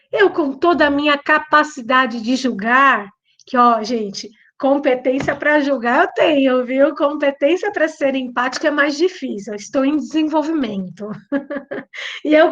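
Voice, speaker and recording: A middle-aged Brazilian woman giving a talk, telling a story with lively repetition and quoted dialogue. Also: sits high, muffled recording. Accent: Brazilian Portuguese. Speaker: lecturer and behavioral trainer.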